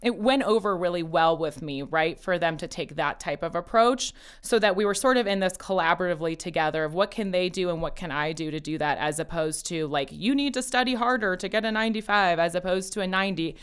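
A woman's voice: on the low side, fairly quick, hardly any pauses, smooth. A woman whose first language is Farsi, a family lawyer talking casually as an interview guest, laughing easily and quoting her parents. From Colorado, USA.

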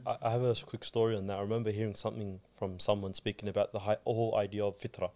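Male guest in a relaxed chat, rattles off a story, low monotone, peppered with "you know what I mean". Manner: rapid, flat delivery with frequent "you know what I mean". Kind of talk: casual chat.

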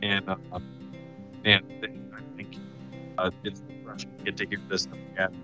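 A man's voice: low-pitched, completely flat delivery. A man in his thirties co-hosting a Christian music radio program, speaking over a remote connection that keeps cutting out and chopping off the ends of his words. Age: 30s. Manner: hesitant, fills pauses with um. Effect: remote connection cutting out, words chopped off and fading. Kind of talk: casual on-air chat.

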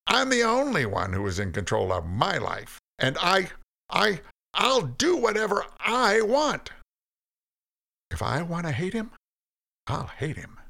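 A bitter, defiant young man who bristles with sarcasm and refuses to back down, as a storyteller puts him on. His voice rides high and swings wildly, with a gravelly edge underneath. He sounds like a sulking figure from a storybook. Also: sing-song, measured pace, sharp tone, full character voice. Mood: defiant, furious. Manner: sarcastic, heated, insistent. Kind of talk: storybook reading.

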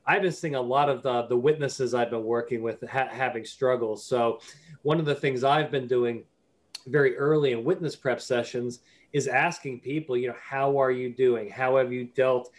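A man's voice: medium pitch, fairly even intonation, normal speed. A man hosting a podcast interview, asking thoughtful questions in a conversational way. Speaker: podcast host.

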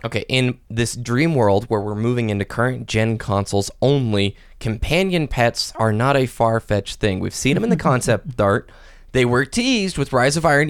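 A man's voice: mid-range voice, clean tone, dry recording, clean studio sound. A man hosting a casual gaming podcast, chatting with his co-host and reading listener posts aloud.

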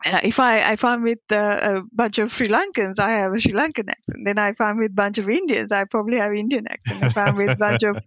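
A woman's voice: mid-range voice, expressive, a little fast, hardly any pauses, a bit bright, dry recording. A woman in her forties, a cybersecurity professional, giving candid, reflective interview answers in non-native phrasing and laughing often. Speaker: cybersecurity professional, podcast guest.

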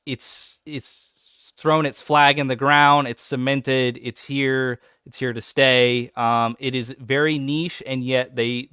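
Man, podcast co-host, enthusiastic, smooth clear voice, dry close sound. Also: mid-range voice, dry recording. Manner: enthusiastic, animated when excited. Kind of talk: casual podcast chat.

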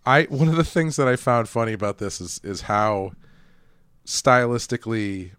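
A man's voice: medium pitch, expressive, unhurried, a bit bright, clear, resonant tone, no echo, clean studio sound. A man co-hosting a casual film podcast, rambling with restarts and chuckles. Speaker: podcast co-host.

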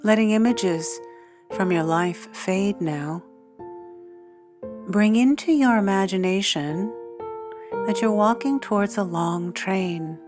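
A woman guiding a sleep meditation in a soothing, hushed, measured manner with long pauses between phrases. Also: medium pitch. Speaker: meditation guide, podcast host. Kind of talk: guided sleep meditation narration. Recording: music under the voice. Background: soft guitar and piano music.

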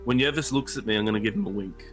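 A man's voice: lowish voice, racing, loud music behind the voice. A man chatting casually as a player in a tabletop role-playing game. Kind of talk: casual chat.

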